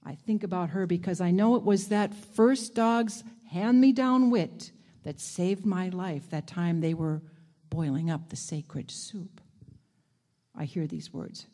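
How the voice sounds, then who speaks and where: A woman reading aloud as a clever, proud old male dog, in a plain, unhurried storytelling voice. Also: lowish voice, steady tone, mellow. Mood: wry.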